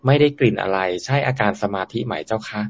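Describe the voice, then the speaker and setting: A man's voice: lowish voice, fast talker, dull audio, slight background noise. A man moderator who names each sender and plainly reads out listener questions to the monk. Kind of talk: reading questions aloud.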